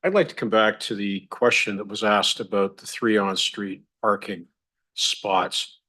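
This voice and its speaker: A man speaks as a city councillor in a fairly low voice. He asks calm, polite questions at a council meeting. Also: unhurried.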